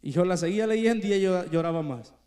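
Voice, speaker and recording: A man preaching in church, his voice mellow and on the higher side. He lingers on key words and lets phrases fall soft and low to press a point home. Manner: earnest preaching with slow emphatic phrases that drop quiet. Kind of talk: sermon.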